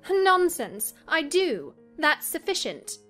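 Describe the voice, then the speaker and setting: A woman's voice: extremely high pitch, wildly swooping pitch, takes it slowly, fairly bright tone, soft background music, full character voice. A woman playing an impetuous, peevish young lady in a dramatised reading of a classic novel, speaking emphatically. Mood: defiant. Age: young adult. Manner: emphatic, petulant.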